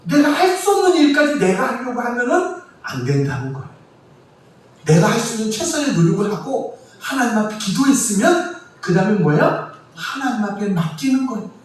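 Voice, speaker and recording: A man preaching from the pulpit in a high, ringing voice, throwing rhetorical questions at his congregation and calling them to read scripture with him. He sounds distant from the mic, his words bouncing around a very reverberant church sanctuary with faint room noise underneath. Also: very animated, brisk. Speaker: pastor. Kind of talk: sermon.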